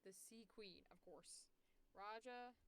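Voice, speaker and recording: A woman's voice: medium pitch, measured pace, a bit bright, slight background noise. A woman chatting casually on a livestream as a voice actor, with a slangy, profane and passionate way of talking. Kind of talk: casual livestream chat while working.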